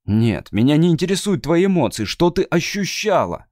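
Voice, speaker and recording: A man voicing a stern, impatient man who speaks in a sharp, commanding way. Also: a little high, sing-song, normal speed, no room sound, clean studio sound, voice pushed up. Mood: firm.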